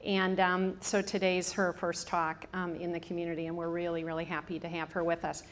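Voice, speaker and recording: Her voice sits lowish and level, moving a little fast over slight background noise. She's a fifties-aged hospice worker with a heavy Michigan accent, talking casually before a live audience with frequent ums and restarts.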